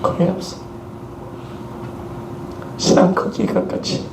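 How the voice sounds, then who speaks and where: A male pastor with a Gyeongsang Korean accent preaching a sermon, emphatic and calling out to the congregation for a response. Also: slow. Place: church sanctuary. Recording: echoey church hall with background noise.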